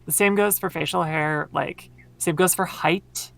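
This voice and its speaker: A woman with a very low voice, explaining at length in casual conversation with many fillers, her voice tired from long talking. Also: steady tone, measured pace, gravelly, fairly bright tone. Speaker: podcast guest.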